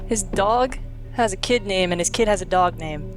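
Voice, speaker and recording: A woman hosts a casual Let's Play in a mid-range voice. She is sardonic and swears freely. Game music plays clearly behind her. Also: medium pitch, normal speed. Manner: sardonic, profane.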